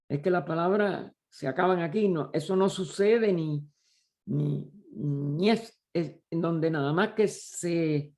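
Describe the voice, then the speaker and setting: A man leading a study group, explaining a text slowly and deliberately, often pausing and restarting as he searches for words. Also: high-pitched, a little mellow. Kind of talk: slow explanatory study lecture.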